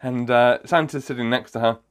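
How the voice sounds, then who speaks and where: A man with a medium-pitched, fairly even voice talks fairly quickly. He's a magician hosting his own podcast, casually telling a funny story. He's chatty, laughs often, and keeps wandering off topic.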